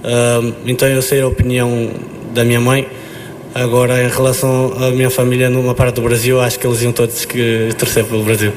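Young male footballer, monotone, halting answers; slight ambient noise. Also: mid-range voice. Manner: hesitant, frequent restarts and fillers. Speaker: footballer at a press conference. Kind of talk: press conference answers.

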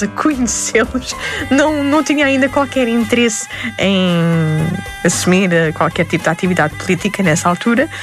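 A woman tells her story at length as an interview guest, lively and often laughing. Her voice sits at a middle pitch for a woman. Faint music plays underneath. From Lebanon. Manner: animated storyteller, laughs often, restarts words. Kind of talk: conversational interview.

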